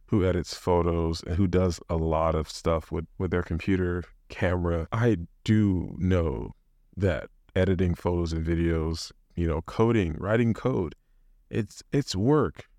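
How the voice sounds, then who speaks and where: A man in his thirties hosts a solo podcast, thinking aloud in a loose, rambling way, often restarting his sentences. His voice sits very low, and the recording is close and dry with no room echo. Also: darkish tone. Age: 30s. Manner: rambling, many restarts and fillers, laughs to himself. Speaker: podcast host. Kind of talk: casual solo monologue.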